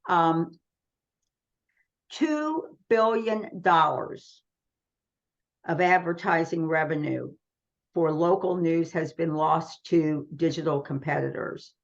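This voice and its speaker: An American woman in middle age talks conversationally as an interview guest. Her voice sits on the low side with noticeable fry, and she explains her points earnestly. The recording is somewhat muffled. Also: animated, slow pace, long pauses. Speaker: radio trade magazine publisher, interview guest.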